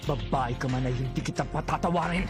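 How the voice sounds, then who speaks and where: Casting: male actor as arrogant anime villain, scornful and menacing, middle-pitched, music underneath. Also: quick pace, natural voice. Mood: taunting. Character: arrogant, taunting male villain who commands a flame servant. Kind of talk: Tagalog anime dub acting.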